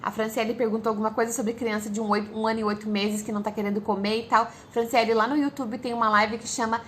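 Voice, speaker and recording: A woman's voice: on the high side, level tone, fast, a bit bright, slight background noise. A woman in her thirties with a Brazilian Portuguese accent, hosting a live Q&A and giving parenting advice directly to viewers. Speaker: parenting educator and live stream host. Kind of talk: live Q&A chat, answering viewer questions.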